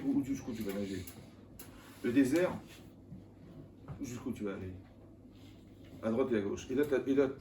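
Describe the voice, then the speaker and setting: A man, a rabbi, giving an informal Torah lesson to a live audience in a colloquial, animated way, throwing rhetorical questions at his listeners. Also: mid-range voice. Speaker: rabbi teaching a Torah class. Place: lecture room with live audience. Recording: echoey room, mic at a distance, faint background noise.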